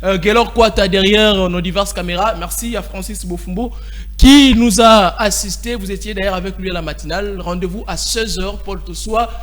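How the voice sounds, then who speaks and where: A man with a Congolese accent hosting a TV debate show, mixing French and Lingala and briskly keeping speakers to time. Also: sits high, fairly bright tone. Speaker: talk show host.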